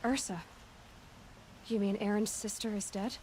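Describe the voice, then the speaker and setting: A woman's voice: medium pitch, fairly even intonation, measured pace, a little mellow, a little hiss or hum, lightly acted, poor audio. A woman voicing a determined, blunt young female tribal warrior in a video game. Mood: insistent. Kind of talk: cinematic video game acting.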